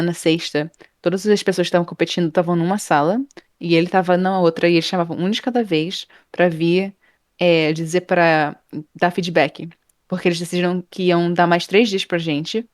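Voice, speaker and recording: A woman, a guest in an interview, telling a story in a casual, animated way and acting out the people in it. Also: fairly low pitch, normal speed, dry recording, clean studio sound. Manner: animated, acts out quoted people, laughs often. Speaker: interview guest, game art professor.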